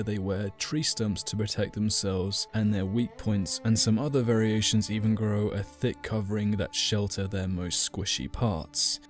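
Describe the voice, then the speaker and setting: A man's voice: lowish voice, darkish tone. A man narrating a video game lore explainer in a casual way, adding dry joking asides. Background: faint game soundtrack music.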